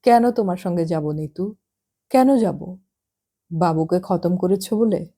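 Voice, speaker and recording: A tired, bitter young man, as a woman acts him out in an audiobook. He speaks quietly in brooding questions, with a mellow voice that rises a little as he presses on. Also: high voice, a little slow, slightly rough, heavily acted. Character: weary, bitter young man, former boxer.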